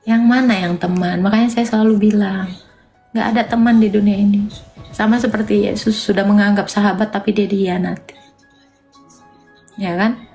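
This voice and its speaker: A woman hosting a casual livestream, answering viewer comments in an emotional, defensive way and talking straight to her audience. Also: a little mellow. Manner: voice jumps high when agitated. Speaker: livestream host.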